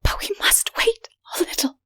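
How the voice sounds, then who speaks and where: A woman voicing a timid, snobbish city lady in an audiobook, with a breathy, whispery voice. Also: normal speed, bright, forceful tone, lightly acted. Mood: anxious. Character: frightened, haughty city woman, breathless and high. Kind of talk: dramatic audiobook reading.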